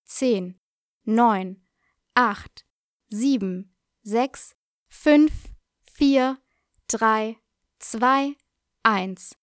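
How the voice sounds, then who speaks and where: A woman presenting a language lesson, explaining in a clear, measured, scripted way. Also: a little high, no echo, studio quality.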